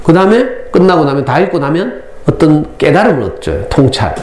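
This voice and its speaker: A middle-aged man with a Gyeongsang Korean accent lectures parents at a school, moving from story to lesson. His fairly high voice rises and falls widely as he acts out lines. The recording is roomy and echoey, with faint hall ambience behind him. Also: very animated, fairly quick, a little mellow.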